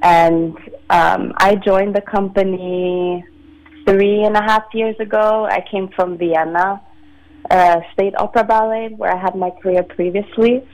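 A woman in her late twenties, from Sweden, a ballet dancer answering interview questions in a measured, soft-spoken way with many pauses. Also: mid-range voice, steady tone, poor audio. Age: 20s. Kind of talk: phone-in radio interview.

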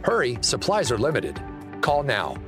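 Lively male radio ad announcer. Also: medium pitch, moderate pace, music in the background. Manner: upbeat, salesy. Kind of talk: scripted radio ad read.

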